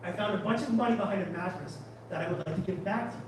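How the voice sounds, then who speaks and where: Brief: man, high voice, animated live storyteller, keeps backtracking, recorded from far off in a very echoey room. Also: very fast, noisy background. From Canada. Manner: animated, chatty storyteller who backtracks and restarts. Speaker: photographer giving a talk. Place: large room at a photography guild talk. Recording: very echoey room, far from mic, faint ambience.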